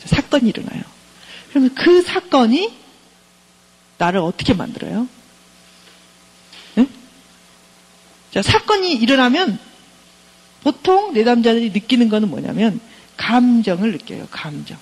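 Husky, lively woman lecturing. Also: fairly high pitch, unhurried, pauses often, rough recording. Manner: engaging, keeps asking the audience questions. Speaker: professor. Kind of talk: counseling lecture.

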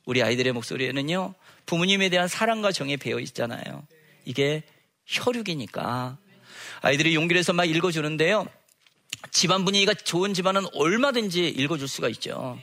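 A man, a schoolteacher, giving an earnest church testimony. He speaks slowly and with emphasis, and acts out the dialogue. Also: a little high, expressive, bright, forceful tone.

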